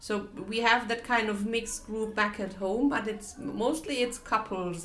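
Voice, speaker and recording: The speech moves at a moderate pace with ordinary pitch variation. Room echo is audible. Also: woman. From Germany. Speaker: motorcyclist. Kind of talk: casual chat. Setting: women's motorcycle festival.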